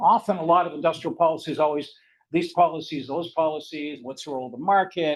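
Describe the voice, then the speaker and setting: In an American accent, a man talks at a fairly quick pace with a high voice. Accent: Canadian American. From Canada. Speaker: professor. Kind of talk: lecture. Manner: fast; halting.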